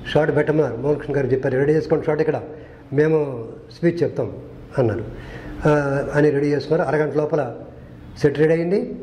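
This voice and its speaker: Older man, a co-director looking back on shoots, fast storyteller, mellow voice, echoey room. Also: on the high side, a little hiss or hum. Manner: anecdotal, acts out quoted dialogue. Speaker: veteran film co-director. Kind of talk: storytelling interview.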